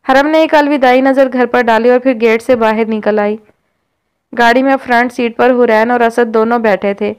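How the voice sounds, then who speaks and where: A woman narrating a romantic audio novel in steady storytelling. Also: fairly high pitch, smooth. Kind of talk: scripted narration.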